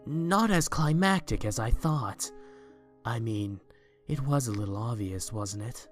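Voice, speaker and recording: A man's voice: medium pitch, lively intonation, unhurried, faint music behind, close to an everyday voice. A man playing a proud rich man who turns frightened and repentant in a dramatic audio drama, speaking theatrically. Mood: unimpressed, dry. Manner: theatrical, pleading.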